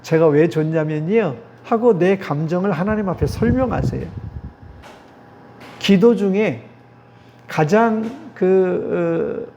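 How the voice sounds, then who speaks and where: Male pastor, gravelly mellow voice, earnest teaching sermon, dull lo-fi recording. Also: fairly high pitch. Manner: earnest, repeats key phrases, acts out little prayers. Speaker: pastor or theology professor. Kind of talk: lecture-style sermon. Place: church meeting hall. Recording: dull lo-fi recording with faint noise.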